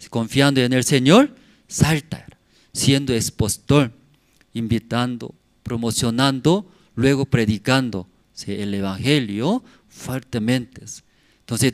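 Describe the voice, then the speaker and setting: Guy preaching slow, keeps quizzing the crowd, dry sound. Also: mid-range voice, dry recording. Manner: asks and answers his own questions, acts out sounds. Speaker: pastor. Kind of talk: prayer service sermon. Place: church.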